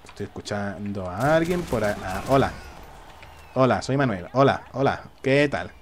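A man's voice: on the low side, animated, normal speed, a little hiss or hum. A man giving live, jokey commentary on a shooter game and taunting the enemies. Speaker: gameplay commentator.

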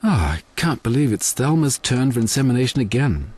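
An actor voicing a thoughtful dairy farmer in a scripted advertisement voice-over. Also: male voice, medium pitch, sing-song, a little fast, darkish tone, slightly rough. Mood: reflective.

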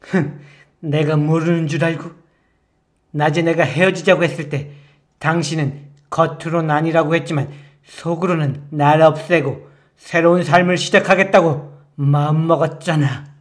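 A man's voice: on the high side, steady tone, moderate pace, close to an everyday voice. A man playing a paranoid, defensive husband in an audiobook drama, speaking in a tense, accusing way.

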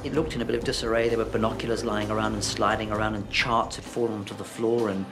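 A man's voice: on the low side, flat delivery, quick pace. A middle-aged man, a guitarist, earnestly recounting a personal experience in an interview, with small restarts. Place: indoor room with bookshelves. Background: loud music score.

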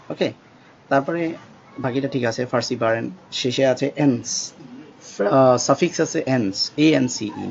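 A man whose first language is Bengali, teaching English spelling slowly and spelling words out letter by letter, with many pauses. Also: mid-range voice, vocal fry. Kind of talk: spelling lesson. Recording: dull lo-fi sound with faint background noise.

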